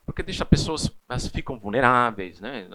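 A man's voice: medium pitch, lively intonation, moderate pace, bright, forceful tone, slight background noise. A man in his thirties with a Brazilian Portuguese accent, teaching a church class in a casual, chatty way full of personal stories and tag questions.

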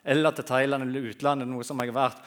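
Male guest preacher, animated storyteller, mid-pitched, loud then soft. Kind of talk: sermon with humorous anecdotes.

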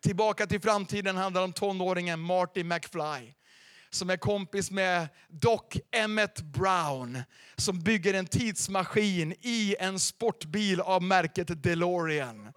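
Middle-aged pastor guy preaching, high voice, big loud-soft swings, dry close sound. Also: no echo. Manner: lively, dramatic delivery with sudden loud and soft swings. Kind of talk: sermon. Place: church.

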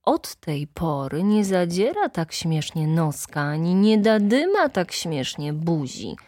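Woman storyteller, low and unhurried, expressive children's reading, dry studio sound. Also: no echo. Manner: slow, expressive, animated quoting.

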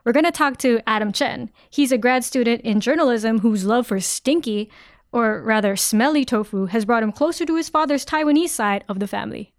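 A woman's voice: on the high side, fairly quick, no echo, studio quality. A woman from Canada, a reporter, chatting playfully on a podcast and reading narration. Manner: animated, playful storyteller. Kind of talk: casual chat and scripted narration.

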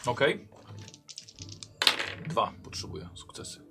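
A man's voice: slow, pushed and bright. A man running a tabletop game as game master, chatting casually about rules, with faint music behind.

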